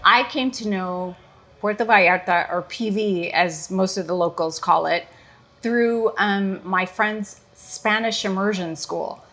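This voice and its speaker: A woman's voice: mid-range voice, a little slow, a bit bright, a little hiss or hum. A middle-aged woman from Chicago with a Chicago accent, hosting a casual, joking chat as a comedian. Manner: joking, playful banter. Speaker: comedian host.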